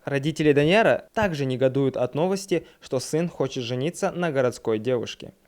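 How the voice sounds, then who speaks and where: A man's voice: mid-range voice, animated, brisk, darkish tone. A man narrating a scripted comedic film review in a mocking, sarcastic manner. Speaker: film reviewer and video host.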